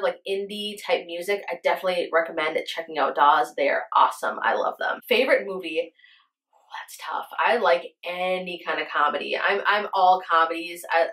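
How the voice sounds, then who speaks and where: A woman's voice: fairly low pitch, fairly bright tone. A woman in her early thirties, a beauty vlogger chatting casually and gushing to her viewers, full of fillers. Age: 30s. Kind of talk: casual chat.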